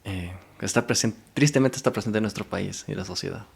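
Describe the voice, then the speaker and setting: A man's voice: fairly low pitch, a little fast, gravelly, breathy edge. A man hosting a podcast, asking probing questions in casual interview chat. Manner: attentive, with short backchannels and probing questions. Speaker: podcast host.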